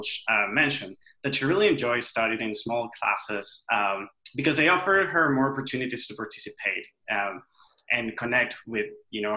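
A man presenting an alumni story in a university webinar, halting with fillers. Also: mid-range voice, sharp tone, echoey room, poor audio.

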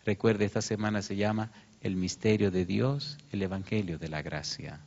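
A man's voice: normal speed, creaky, darkish tone. Male pastor preaching a sermon. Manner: emotional storytelling, rising pitch when quoting. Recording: muffled lo-fi sermon recording.

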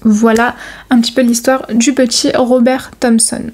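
A woman's voice: on the high side, level tone, moderate pace, darkish tone, husky. A woman telling a true crime story to her viewers in a chatty, informal way, with many hesitations and slang.

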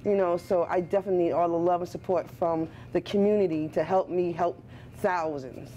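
A woman's voice: fairly low pitch, steady tone, fairly quick, dark tone, dull audio, slight background noise. A middle-aged woman, a cafe owner, speaking earnestly and from the heart in an interview, with fillers, inside her cafe. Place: indoors in a cafe.

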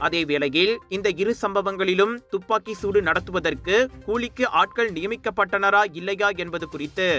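A man with a Malaysian Tamil accent reading scripted news in a formal, measured way. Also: high-pitched, pushed and bright. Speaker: news presenter.

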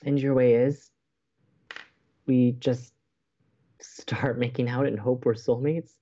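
A man's voice: mid-range voice, little pitch movement, slow pace, warm tone, lo-fi sound. A man playing an earnest, hesitant young college radio co-host with a romantic streak in an audio drama. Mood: earnest, hurt. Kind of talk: naturalistic audio drama dialogue.

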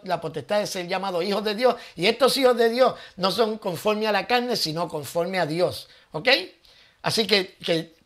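A man's voice: high voice, a bit bright. A man hosting his own channel, giving casual Bible teaching with rhetorical questions and thinking aloud.

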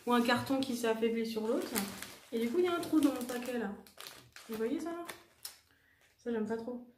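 A young woman vlogger talks through a shopping haul in a fairly high, expressive voice at a moderate pace, rambling and correcting herself with many fillers. The room is echoey with faint background noise.

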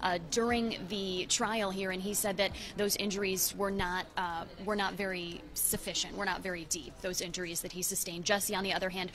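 A young woman, a television reporter, briskly summing things up in a live report outdoors at night. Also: fairly low pitch, fairly bright tone, slight background noise. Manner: brisk summarizing.

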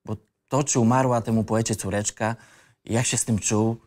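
A man's voice: on the low side, fairly even intonation, moderate pace, a little mellow, lightly acted. An actor playing a cocky, disillusioned young male student in an audio drama script reading, with an insolent, ironic and reflective manner. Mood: cheeky, defiant.

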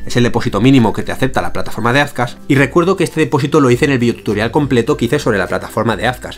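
A young man speaking with a Spain Spanish accent runs a step-by-step screen-share tutorial from a small room. His medium-pitched voice explains everything with plenty of energy.

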